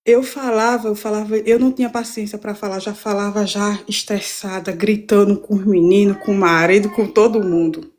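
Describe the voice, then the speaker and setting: A woman's voice: mid-range voice, steady tone, normal speed, few pauses, a little mellow. A woman giving a fervent, rambling church testimony from home on a live stream, with many restarts.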